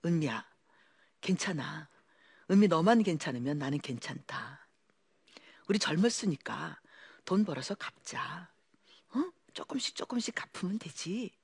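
Woman quoting her calm, tender young husband. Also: fairly high pitch, fairly quick, few pauses, no echo, studio quality. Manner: quiet, half-whispered, tender.

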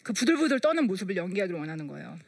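A woman telling an emotional personal story as a mother, animated and putting on voices as she goes. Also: mid-range voice, rapid-fire, creaky, breathy edge.

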